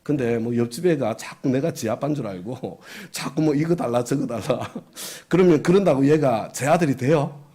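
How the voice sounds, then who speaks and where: A man's voice: medium pitch, moderate pace, hardly any pauses, dark tone, breathy edge. A middle-aged man preaching a sermon as pastor, conversational, often asking the congregation questions and chuckling.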